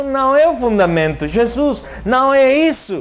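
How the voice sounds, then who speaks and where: Over noticeable background noise, a man with a Spanish accent speaks at an extremely high pitch. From Mexico. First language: Spanish (speaking Portuguese). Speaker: pastor. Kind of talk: sermon. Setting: church convention. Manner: halting.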